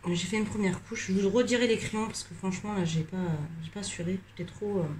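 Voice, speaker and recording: A tired, slightly congested woman chatting casually while coloring, rambling with many hesitations and pauses. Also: medium pitch, a little mellow, a little hiss or hum. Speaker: coloring vlogger.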